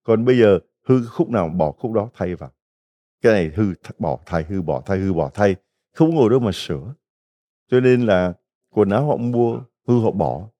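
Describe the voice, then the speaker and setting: A man's voice: lowish voice, lively intonation, moderate pace, mellow, lo-fi sound. A middle-aged man, a Catholic priest, giving a folksy retreat homily full of stories and rhetorical questions to the congregation.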